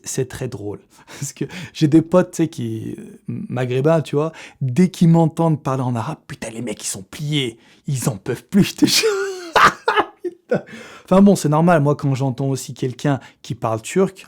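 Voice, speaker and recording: A man's voice: mid-range voice, expressive, normal speed. A young man hosting a casual vlog giveaway, talking in slangy, chatty French with frequent swearing and laughs. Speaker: fitness youtuber running a giveaway draw. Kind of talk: casual vlog talk to camera.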